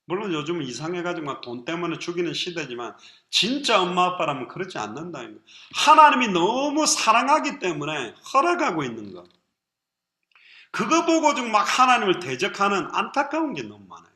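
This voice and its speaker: A man preaching a sermon as pastor, animated and lively. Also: high voice, brisk, echoey room. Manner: lively preaching with acted quotes.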